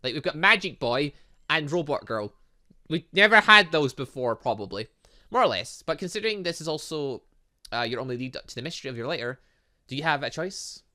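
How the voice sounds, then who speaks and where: A man giving animated let's play commentary on a video game, reading dialogue aloud and adding sarcastic asides. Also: fairly high pitch, brisk. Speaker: gaming channel host.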